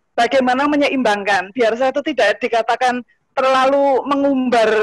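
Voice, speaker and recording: A woman's high-pitched voice with a strong Javanese accent and ordinary pitch variation. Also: moderate pace. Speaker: seminar participant. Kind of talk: audience question. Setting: online seminar.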